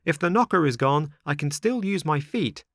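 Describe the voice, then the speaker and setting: A man's voice: on the high side, expressive, moderate pace, a bit bright, dry recording, studio quality, pitched above the performer's own voice. A man voicing an impatient young wooden puppet boy, pleading and dramatic, in a storybook reading. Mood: furious. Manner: pleading, exclamatory.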